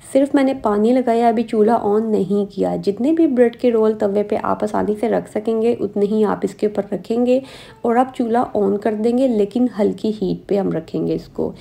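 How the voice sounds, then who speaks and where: A woman, calmly guiding viewers step by step through a recipe as a cooking host in voice-over. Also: mid-range voice, moderate pace, creaky. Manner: calm step-by-step instructions.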